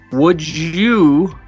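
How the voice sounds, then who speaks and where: A man's voice: a little high, breathy edge, muffled recording. A man playing a tabletop role-playing game, mixing casual banter with drily formal phrasing.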